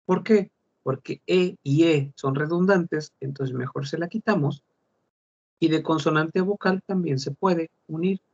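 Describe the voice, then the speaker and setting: Male teacher, fairly high voice, drawn-out pace, repeats each word for the class. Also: vocal fry. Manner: slow, repeating words to model pronunciation. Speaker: French teacher. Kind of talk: online class lesson. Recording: dull lo-fi class recording.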